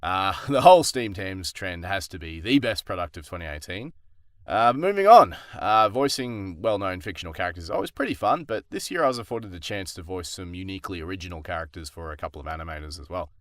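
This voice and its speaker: A man gives a casual vlog update as a voice actor. His voice is very low, with a dry, close sound. The delivery is conversational. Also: expressive, fast talker, no echo. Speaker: voice actor presenting his work.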